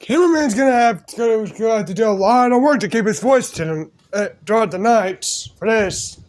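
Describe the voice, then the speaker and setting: A man's voice: high voice, animated, normal speed. A man voicing toy figures in silly improvised banter, playful and rambling. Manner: playful, rambling, switches between silly voices. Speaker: fan video voice actor for toy figures.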